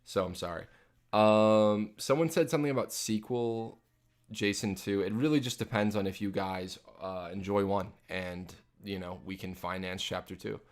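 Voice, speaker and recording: Young male streamer, very deep voice, casual rambling chat-reading host. Loose and self-interrupting. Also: normal speed. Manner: rambling, reads chat questions aloud, frequent ums and restarts. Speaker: livestream host answering chat. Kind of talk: casual live Q&A. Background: jazz playing from a phone.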